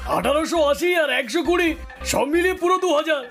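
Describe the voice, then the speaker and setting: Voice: high-pitched, lively intonation, a little fast, gravelly, fairly bright tone, soft background music, heavily acted. An actor voicing a brash, pushy cartoon sidekick with a cheeky, punchy way of talking. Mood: cocky. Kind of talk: cartoon dub acting.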